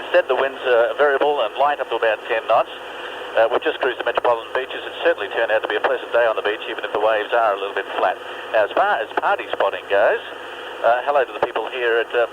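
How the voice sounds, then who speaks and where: An Australian man delivers a quick live report as an airborne radio reporter. His voice comes over a dull aircraft link with clear engine noise around it. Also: mid-range voice. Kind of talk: live party and beach report. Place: in a small aircraft in flight.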